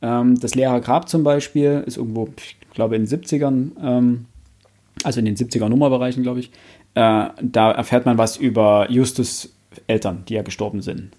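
A man's voice: medium pitch, fairly even intonation, moderate pace, warm tone. A man in a casual discussion, explaining things like a knowledgeable fan. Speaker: book podcast panelist.

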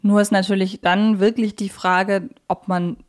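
A woman's voice: medium pitch, flat delivery, a little slow. Chatty woman co-hosting a podcast. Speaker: podcast co-host. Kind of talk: casual conversational discussion of audio dramas.

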